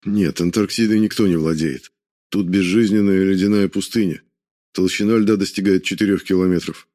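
A man voicing a guarded soldier from a parallel world who answers in a measured way. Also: low-pitched, steady tone, dark tone, close to an everyday voice. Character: guarded Russian soldier from another world, male.

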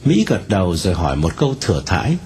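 A man narrating a novel aloud in an expressive storytelling manner. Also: fast talker, breathy edge, soft background music. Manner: expressive storytelling with wide swings in pitch.

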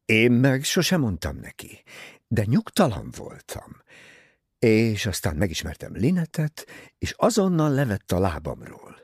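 A man reading aloud, voicing a nervous, agitated young husband who pleads and protests in excited outbursts. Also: lowish voice, husky, dry recording, clean studio sound, heavily acted.

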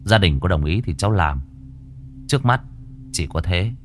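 A man voicing a calm young grave worker who gives brisk, businesslike instructions, in a horror story. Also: low voice, soft background music. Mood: calm instructive. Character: calm, matter-of-fact young male grave worker giving orders.

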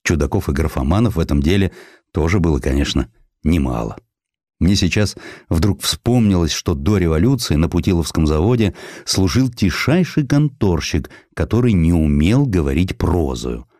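Male audiobook narrator, low-pitched and animated, for literary history; expressive storytelling, close dry studio sound. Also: normal speed, no echo.

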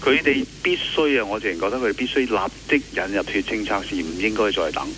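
A man's voice: on the low side, quick pace, sharp tone, slight background noise. A man with a Cantonese accent speaking firmly and insistently in a recorded clip. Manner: firm and insistent. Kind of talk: recorded clip played on radio.

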